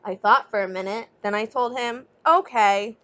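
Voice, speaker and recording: A woman teacher reading a children's picture book aloud expressively, stepping out of the story to chat with young listeners. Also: medium pitch. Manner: expressive, pausing to ask young listeners questions and explain.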